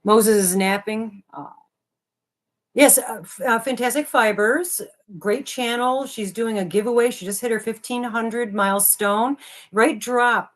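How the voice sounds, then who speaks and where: A woman's voice: on the high side, a little slow. A woman co-hosting a casual livestream, talking in a hyper, chatty way and jumping from topic to topic. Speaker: livestream co-host.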